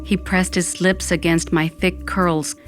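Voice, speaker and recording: A woman's voice: on the low side, level tone, a little slow, soft background music, natural voice. A woman playing a dramatic, dreamy young Latina who narrates her own story in an audio drama. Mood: wistful. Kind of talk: first-person scripted audio fiction narration.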